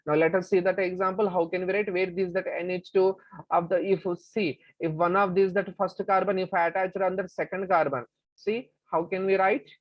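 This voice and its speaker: A woman's voice: fairly low pitch, steady tone, brisk, dry recording, highs cut off. A woman teacher with a South Asian accent explains step by step in a classroom-style lesson, repeating herself and answering her own questions. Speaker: chemistry teacher.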